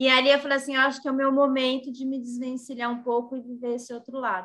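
The speaker is a woman. Her pitch is high. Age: 40s. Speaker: journalist and sexologist. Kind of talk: interview.

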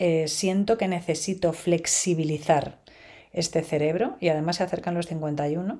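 The voice has a dark, mellow tone and ordinary pitch variation, moving at a fairly slow pace. The recording is very clean, with a silent background. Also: woman. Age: 50s. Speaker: podcast host, coach and writer. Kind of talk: solo podcast monologue. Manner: animated.

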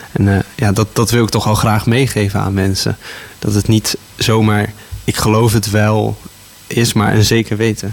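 Noticeable background noise sits under a man whose speech is very even in loudness and monotone, with flat intonation. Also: fairly low pitch for a man, moderate pace. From Netherlands, Houten (Utrecht). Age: 20s. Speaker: local councillor. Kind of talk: interview. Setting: radio studio.

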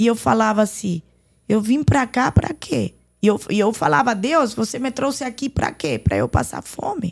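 At a moderate pace, a woman uses lively intonation and a fairly high pitch. Her voice has vocal fry. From Lebanon. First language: Arabic (speaking Portuguese). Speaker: missionary. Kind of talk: testimony.

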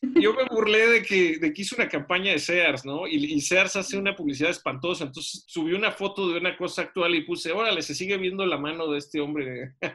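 A man's high-pitched voice, bright and sharp in tone, at a fairly quick pace with hardly any pauses and ordinary pitch variation. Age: 30s. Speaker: writer. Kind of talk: interview.

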